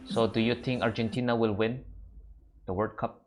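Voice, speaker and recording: A man's voice: medium pitch, steady tone, measured pace, soft background music. A man from Indonesia chatting on a video call with a stranger, asking lots of questions and laughing easily. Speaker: language content creator. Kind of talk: casual video chat.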